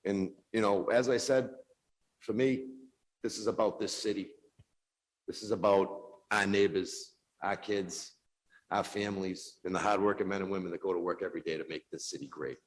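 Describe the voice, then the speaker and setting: Exasperated low-voiced councilman. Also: steady tone, moderate pace, low-quality recording. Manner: forceful, exasperated, rhetorical. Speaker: city councilor. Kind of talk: council floor speech. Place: council chamber.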